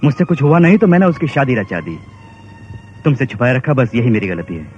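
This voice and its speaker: A man voices an elderly father, worn down and pleading, speaking softly and earnestly to his daughter-in-law and son in a dubbed film. His voice sits at an ordinary middle pitch. The dub sounds a little dull, with a faint film score underneath. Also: very animated, brisk, faint music behind, close to an everyday voice. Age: older.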